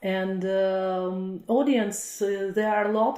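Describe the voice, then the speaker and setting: A woman's medium-pitched voice with a Russian accent. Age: middle-aged. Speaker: radio editor-in-chief. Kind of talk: interview.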